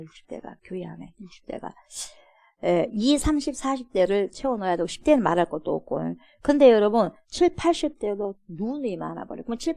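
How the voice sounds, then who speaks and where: A woman pastor with a Jeolla accent, preaching a sermon to her church and firing questions at the congregation. She swings between loud exclamations and soft asides. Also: mid-range voice, creaky, no room sound, studio quality. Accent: Korean, Jeolla. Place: church sanctuary.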